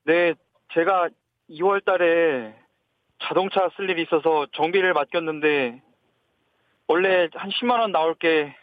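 A man's voice: a little high, a little slow, no room sound. A male caller on a thin phone line, speaking politely and formally as he reports to a radio show.

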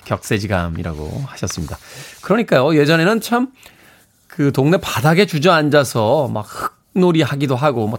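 A man hosting a radio show, chatting, reading listener messages and plugging events with self-mocking humor. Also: mid-range voice. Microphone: studio microphone.

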